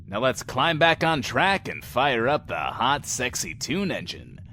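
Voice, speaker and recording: Swaggering, theatrical radio host with wild swoops. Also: male voice, medium pitch, very animated, unhurried, pushed and bright, slight background noise. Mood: dramatic, showy. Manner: pompous, wordy, theatrical, talks of himself in third person. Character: swaggering, insecure male post-apocalyptic bunker radio host. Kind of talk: in-world radio show monologue, audio drama.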